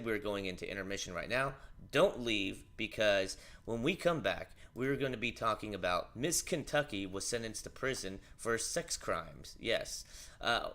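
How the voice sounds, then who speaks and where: A man's voice: lowish voice, fairly bright tone. A man hosting a livestream, reading news and commenting in a rambling, offhand way with many fillers.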